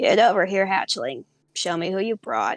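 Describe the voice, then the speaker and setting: In a put-on character voice, a female-sounding speaker uses a raspy, rumbling tone at a medium pitch and a moderate pace. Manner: commanding, gruff.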